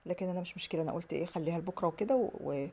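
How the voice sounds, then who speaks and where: A woman's voice: on the low side, rapid-fire, warm tone. A woman with an Egyptian Arabic accent, telling stories in a casual home vlog and rambling on as she acts out the dialogue. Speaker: home vlogger.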